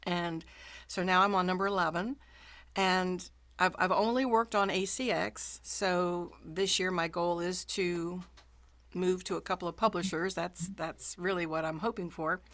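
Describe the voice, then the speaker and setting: A woman's voice: on the low side, fairly even intonation, unhurried, fairly bright tone. A woman audiobook narrator hosting a casual video call chat, talking with plenty of ums and friendly encouragement.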